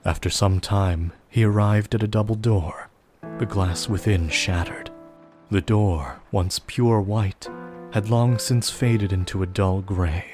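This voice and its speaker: A man narrating a gothic audio drama as a somber storyteller, grave, measured and literary. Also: on the low side. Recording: loud music behind the voice.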